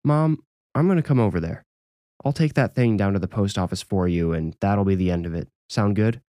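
A man's voice: on the low side, brisk, warm tone, no room sound, studio quality, natural voice. A man voicing a busy, rational grown son in audiobook dialogue, firm and exasperated. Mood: patient, reasoning. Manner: firm, dismissive, questioning.

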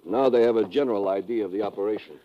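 A man's voice: on the low side, rapid-fire, slight background noise, natural voice. Male actor as savvy lieutenant, slangy, matter-of-fact first mate, muffled vintage radio adventure sound. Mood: easy, knowing. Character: brisk, knowing male US Navy lieutenant, ship's first mate. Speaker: supporting actor in a radio drama. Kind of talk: 1950s radio adventure drama acting. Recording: dull old radio recording.

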